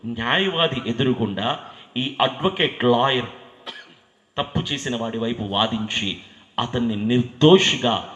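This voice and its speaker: A man's voice: medium pitch, a little slow, long pauses, fairly bright tone, lo-fi sound. A male evangelist telling a dramatic sermon story with rhetorical questions. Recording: echoey hall with long reverb and faint music.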